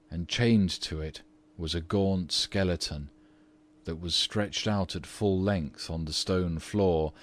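Deep voiced guy reading a classic story aloud, steady and measured. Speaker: narrator.

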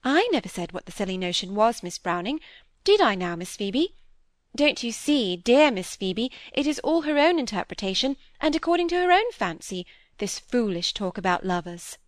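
Woman voicing earnest young girl, higher bright voice, quick to take offense, dry recording. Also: sing-song, no room sound. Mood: indignant.

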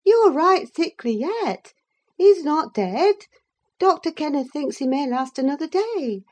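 A woman's voice: high-pitched, big pitch swings, unhurried, a little mellow, voice pushed up. A woman doing a gossipy country housekeeper. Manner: chattering country dialect. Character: rustic middle-aged housekeeper woman, gossipy.

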